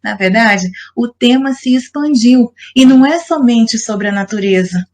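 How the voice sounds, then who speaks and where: A woman's voice: on the high side, expressive, measured pace, darkish tone. A woman teacher giving a recorded lesson, explaining step by step and asking her class questions. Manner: patient, explanatory, asks the class rhetorical questions.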